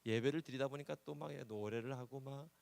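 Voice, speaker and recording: A man's voice: medium pitch, a little fast, vocal fry, darkish tone. A male pastor preaching a sermon, telling a story and repeating key words for emphasis, often checking in with the congregation. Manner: prompts the congregation with "예?".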